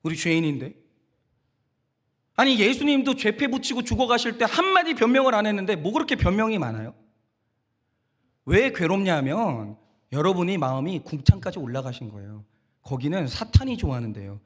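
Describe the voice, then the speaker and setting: A man's voice: sits high, very animated, normal speed. A middle-aged male pastor preaching a conversational sermon, firing rhetorical questions and acting out quoted voices.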